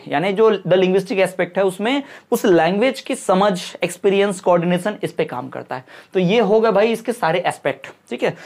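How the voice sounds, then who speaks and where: Woman teacher quizzing her class. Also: on the low side. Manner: repeats points, quizzes listeners with rhetorical questions; mixes read-out English terms into explanations. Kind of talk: exam-prep lecture.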